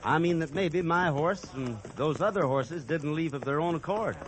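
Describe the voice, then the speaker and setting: A man's voice: a little high, normal speed, very noisy, lightly acted. A man narrating and playing the cowboy hero of an old radio western, in an easygoing, plain-spoken way. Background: music.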